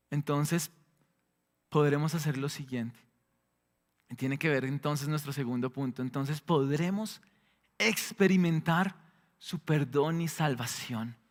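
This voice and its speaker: A man preaching a sermon as pastor, dramatic, swinging between loud exclamations and hushed lines. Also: on the high side. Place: church hall. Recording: long hall reverb.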